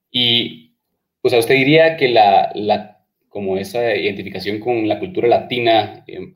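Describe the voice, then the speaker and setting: Low-voiced interviewer. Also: male voice. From Guatemala. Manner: reflective, asks long probing questions. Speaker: podcast host. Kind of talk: conversational interview.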